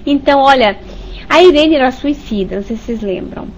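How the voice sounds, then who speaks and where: Over online voice chat on a computer mic, a woman runs a casual spiritist study in a high, animated, brisk voice. She is warm and conversational, frequently checking in with listeners through rhetorical "né?" questions. The highs are cut off and there's slight background noise.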